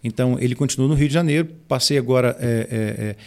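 Gravelly middle-aged man, halting speech. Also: medium pitch, darkish tone. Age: 40s. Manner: hesitant with frequent word repetitions. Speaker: pastor and music arranger. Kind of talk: casual podcast conversation.

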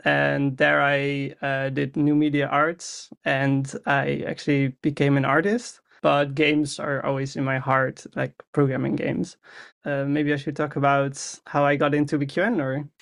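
A man's voice: mid-range voice, level tone, measured pace, vocal fry, a bit bright. A young man with a Dutch accent, a podcast guest answering casually and hesitantly, with many fillers. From Netherlands.

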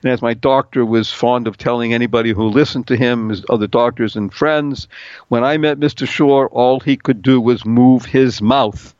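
A man's voice: medium pitch, steady tone, moderate pace, darkish tone, no echo, lo-fi sound. A middle-aged man hosting a talk radio show, playful and upbeat, spelling out words letter by letter and singing little bits.

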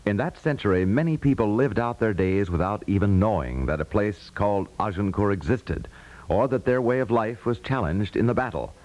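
An American man announcing on 1950s radio, reading a script in a formal, measured manner. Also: lowish voice, expressive, a little mellow, poor audio. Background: music.

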